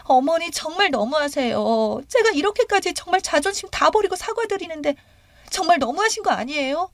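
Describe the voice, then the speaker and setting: A woman's voice: very high voice, animated, brisk, dry recording, clean studio sound, pitched above the performer's own voice. A woman voicing a young, demanding daughter-in-law who talks in a pushy, complaining way. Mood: pleading.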